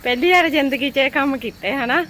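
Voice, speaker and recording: A woman's voice: sits high, a little fast, a bit bright, a little hiss or hum. A woman with a Punjabi accent chatting casually in a teasing, chiding way as she vlogs. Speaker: vlogger. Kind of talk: casual vlog chat.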